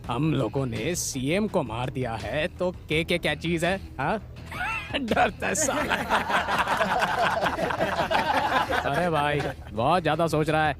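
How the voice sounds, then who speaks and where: An actor dubbing a brash, boastful gang boss in a film, swaggering and mocking. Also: male voice, on the high side, normal speed, hardly any pauses, loud music behind the voice, natural voice. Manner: swaggering, mocking, laughs at others. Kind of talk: Hindi film dub. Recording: film soundtrack with loud score.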